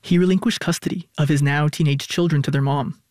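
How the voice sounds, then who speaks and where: A male reporter narrates a news feature in a measured, scripted way. His voice sits a little high for a man and sounds dry and close, with no room around it. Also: fairly even intonation, a little mellow, no room sound. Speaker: radio reporter.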